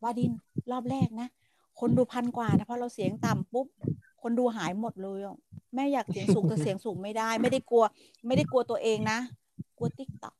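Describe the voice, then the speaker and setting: A woman's voice: fairly high pitch, brisk, warm tone, no echo, low-quality recording. A middle-aged woman from Thailand hosting a casual livestream chat, blunt and ranting, swearing freely and stretching her polite endings for emphasis. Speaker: livestream host.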